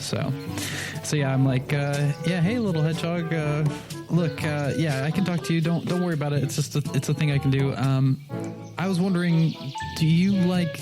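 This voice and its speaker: A man's voice: fairly high pitch, normal speed, over music. A man playing a tabletop roleplaying game, improvising in-character chat in a hesitant, joking way that repeats words.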